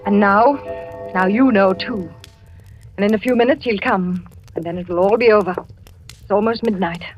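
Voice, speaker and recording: An actress playing a French wife in wartime, secretive and deceptive, speaking in hushed, measured 1940s radio drama style. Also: female voice, mid-range voice, highs cut off, faint music behind, lightly acted. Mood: grave.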